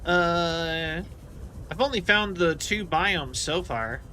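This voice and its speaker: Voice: medium pitch, expressive, takes it slowly, bright, forceful tone. A game streamer giving casual live commentary, rambling and thinking aloud while playing. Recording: clear game noise behind voice.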